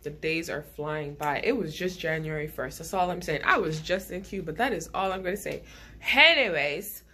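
A deep, husky voice with a sharp tone and moderate pace comes from a woman in her thirties vlogging casually in a small bedroom. She has a stuffy head cold and is chatty and rambling, laughing frequently as she talks to the camera.

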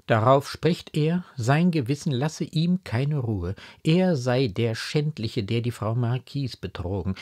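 An emotional, remorseful noblewoman and mother pleads with her daughter, her voice lifted higher than the reader's own, as a male reader puts her on. She speaks in lively, swinging phrases at a slow, deliberate pace.

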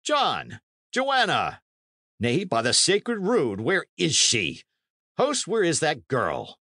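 A man's voice: mid-range voice, wildly swooping pitch, measured pace, fairly bright tone, no room sound, clean studio sound, pitched above the performer's own voice, exaggerated voice. A man reading a storybook as a blustering, imperious medieval knight who barks orders in archaic speech. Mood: angry, demanding.

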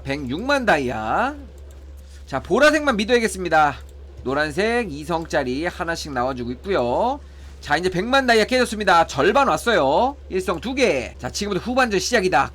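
A man's voice: sits high, fairly bright tone. A man giving casual play-by-play of his mobile game pulls, counting results and pleading for good draws. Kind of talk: casual gameplay commentary.

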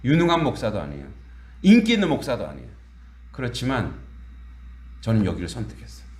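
A man preaching a sermon as pastor, in a conversational, animated way with quoted dialogue and laughter. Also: medium pitch, quick pace. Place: church sanctuary. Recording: echoey church hall.

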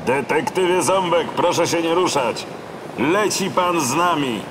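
A man voicing a burly, hoarse government agent in an audiobook, giving authoritative orders through a megaphone. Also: fairly high pitch, measured pace, heavy background noise, voice pushed up. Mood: commanding. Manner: barking, authoritative. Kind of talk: audiobook character voice.

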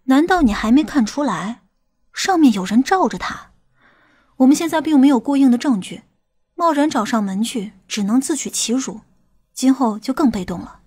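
A woman acting a female character in an audiobook crime drama, with a husky voice. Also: high voice, lively intonation, moderate pace, a little mellow. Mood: indignant, arguing.

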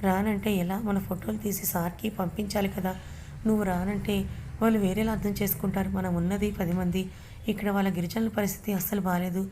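Woman reader doing a teasing young man, mellow and low-key, storybook reading. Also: little pitch movement, fairly quick, slight background noise, close to an everyday voice. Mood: coaxing. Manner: teasing, affectionate.

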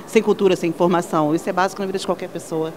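A woman's voice: fairly low pitch, fairly even intonation, very fast, noisy background. A woman giving a fluent, opinionated answer to a street reporter outside at night. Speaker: theatergoer.

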